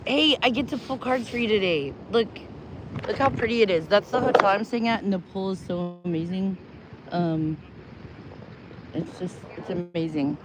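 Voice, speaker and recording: Out at the beach on a live stream, a woman from New Mexico greets viewers and rambles between tarot readings, chatty and bubbly with easy laughter. Her mid-range voice moves at normal speed, but the outdoor phone audio is swamped by loud wind and other outdoor noise.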